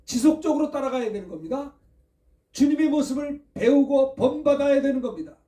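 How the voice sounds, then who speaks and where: A man's voice: extremely high pitch, lively intonation, brisk, dark tone, echoey room, recorded from a distance. A male pastor from Seoul preaching a Sunday sermon, asking the congregation questions as he goes. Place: church sanctuary.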